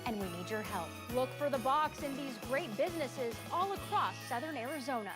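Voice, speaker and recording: A high-pitched American woman anchors the news with polished delivery. Faint music plays behind her. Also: expressive, a little fast.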